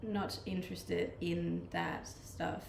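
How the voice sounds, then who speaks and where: A young woman from Denmark streams in an echoey room with faint ambient noise, casually chatting as she reads her viewers' comments. She's laid-back and laughs often, though her fairly low, gravelly voice stays level and slow. Her slight Danish accent has been mixed by living abroad.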